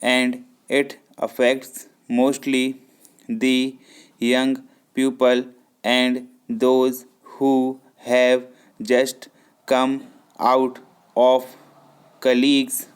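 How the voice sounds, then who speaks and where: A man with an Indian accent reading a shorthand dictation in deliberate short phrases, speaking the punctuation aloud. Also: mid-range voice, smooth. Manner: measured, deliberate, phrase-by-phrase delivery with pauses.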